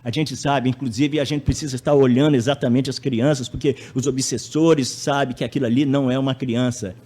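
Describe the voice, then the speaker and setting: A man's voice: mid-range voice, steady tone, brisk, mellow. A man giving a public lecture at a spiritist center, chatty, often tagging sentences with a question and acting out anecdotes. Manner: conversational, tag questions, acts out anecdotes.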